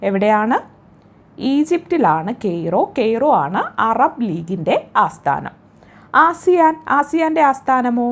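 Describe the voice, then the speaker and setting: A woman with a Malayali accent teaching exam facts, asking questions and answering them herself with steady repetition. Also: fairly high pitch, slow pace. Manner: coaxing, checks the listener with "kēṭṭō" and "allē". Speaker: exam tutor. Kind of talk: spoken quiz lesson.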